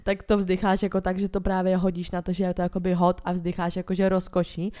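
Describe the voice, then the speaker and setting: A young woman co-hosting a podcast, telling stories in an animated way and laughing a lot. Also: lowish voice. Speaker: podcast co-host. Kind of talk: casual frank podcast chat.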